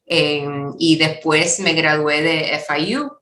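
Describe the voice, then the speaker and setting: A woman's voice: deep voice, takes it slowly, fairly bright tone, reverberant. A woman in her sixties from Miami, born in Cuba, with a Cuban-American accent, telling personal stories conversationally as an interview guest. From born in Cuba, raised in Miami. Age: 60s.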